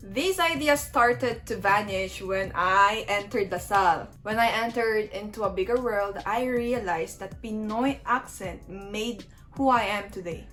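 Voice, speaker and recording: Young woman vlogger, filipino english accent, chatty, slips tagalog words in, soft music under. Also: medium pitch. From Korea. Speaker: content creator. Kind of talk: casual talk to camera.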